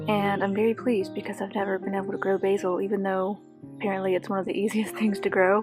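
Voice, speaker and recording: A woman speaks with music in the background. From Northwest Georgia, US. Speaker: artist and storyteller. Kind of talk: casual talk to camera. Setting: outdoors, garden.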